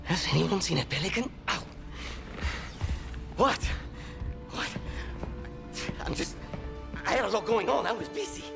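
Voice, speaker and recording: A nervous, talkative pilot in a video game. His voice sits fairly high with a clear creak, and he sounds like a wry, exasperated everyman. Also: lively intonation, unhurried, pauses often, over music, heavily acted. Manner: nervy, chatty, wry. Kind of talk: video game cutscene acting.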